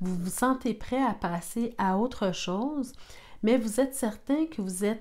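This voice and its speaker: A woman speaks at a fairly slow pace in a warm tone. Her pitch is fairly high, with ordinary pitch variation. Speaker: tarot reader. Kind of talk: tarot card reading; tarot reading addressed to viewers. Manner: halting. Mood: calm, caring advice. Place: home room. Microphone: phone near.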